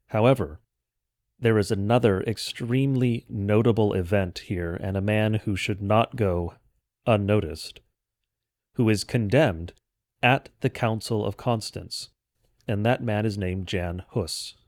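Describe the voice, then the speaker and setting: Low-voiced man giving a measured lecture. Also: darkish tone, no room sound, clean studio sound. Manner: measured, didactic, formal wording. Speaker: host of a church history podcast. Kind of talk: explanatory lecture, semi-scripted narration.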